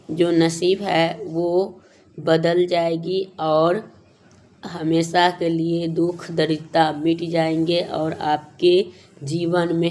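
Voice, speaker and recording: A woman with a slightly hoarse throat hosts a devotional advice talk, speaking to viewers as friends in a halting, repetitive way. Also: on the low side, a little mellow. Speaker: YouTube channel host.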